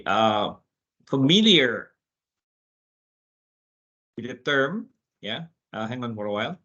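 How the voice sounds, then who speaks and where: A man's voice: medium pitch, pushed and bright. A man from Indonesia with an Indonesian accent, presenting informally in a webinar, hesitating often and repeating words. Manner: halting, hesitant, frequent pauses and repeated words. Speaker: guest speaker, IT security expert. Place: office, over an online video call. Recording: dull, compressed online call audio.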